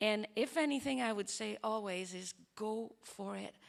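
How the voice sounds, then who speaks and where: A woman with a Quebec accent is heard in a very clean recording against a silent background. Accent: Québécois French accent in English. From French-speaking Canada. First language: French. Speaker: astronaut. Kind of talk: panel talk at a festival. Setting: stage with audience.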